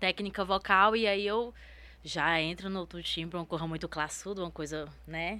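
Her tone comes across as animated. The woman keeps to a moderate pace. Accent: Cearense. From Ceará, Brazil (Fortaleza). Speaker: singer and actress. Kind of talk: casual interview.

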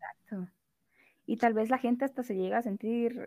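Pitched fairly high, a woman talks in an animated tone at a moderate pace with ordinary pitch variation. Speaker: singer-songwriter and law student. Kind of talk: casual interview chat. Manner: animated, laughing.

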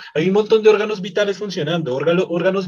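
Fairly even intonation runs through this man's speech. His voice is high-pitched. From Colombia. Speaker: podcast host. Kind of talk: casual discussion. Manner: halting, repetitive.

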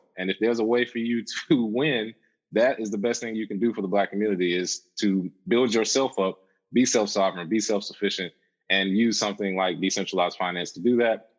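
This man has a plain, everyday voice, pitched fairly low, with fairly even intonation. He moves at a fairly quick pace against a quiet background. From North Carolina, Charlotte. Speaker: author and bitcoin educator. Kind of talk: interview.

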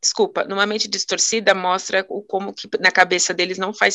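Dry and close with no echo, a woman's voice has a bright, sharp tone, medium pitch and fairly even intonation. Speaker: podcast co-host. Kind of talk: casual chat.

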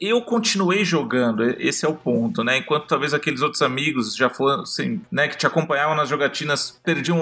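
Talking at a fairly quick pace, a man with a fairly high pitch uses lively intonation while noticeable background noise runs underneath. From Bauru, interior of São Paulo state, Brazil. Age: 30s. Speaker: former games journalist. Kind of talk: interview.

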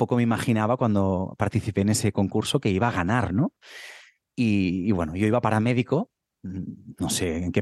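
An ordinary speaking voice moves at a moderate pace with ordinary pitch variation, in a dry, close sound with no echo and a quiet background. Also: man. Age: 30s. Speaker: musical theatre actor and musician. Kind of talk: casual chat.

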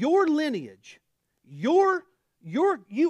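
In a very clean recording with a silent background and a dry, close sound with no echo, a man with an Oklahoma accent talks at a very slow pace. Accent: Oklahoma Southern US. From Oklahoma, US. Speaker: pastor. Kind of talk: sermon. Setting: church. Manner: informal, filler words.

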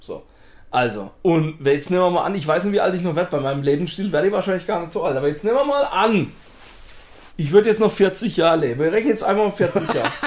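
A man talks very fast in a high voice with lively intonation. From Baden, Karlsruhe. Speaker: podcast host. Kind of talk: casual chat.

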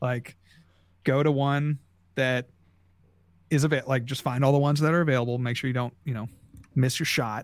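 A man speaks at a medium pitch and a fairly quick pace, with fairly even intonation. Long, frequent pauses stand out in a very clean recording with a silent background. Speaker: card game podcast co-host. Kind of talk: casual chat.

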